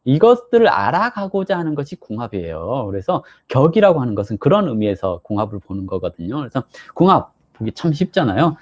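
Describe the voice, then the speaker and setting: Man, live-stream teacher; slightly husky, very animated intonation, plays out little dialogues. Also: mid-range voice, brisk, few pauses. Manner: explanatory, acts out couples' quarrels in quoted voices. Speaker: saju fortune-telling teacher.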